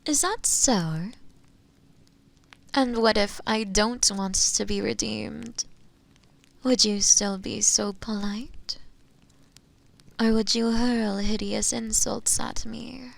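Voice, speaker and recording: Woman acting a slow, seductive, possessive witch. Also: on the high side, steady tone, heavily acted. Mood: coy, probing. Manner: slow, coaxing, breathy murmurs slipping into whispers. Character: seductive, possessive yandere witch, sweetly menacing captor. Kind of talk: intimate audio roleplay addressed to the listener.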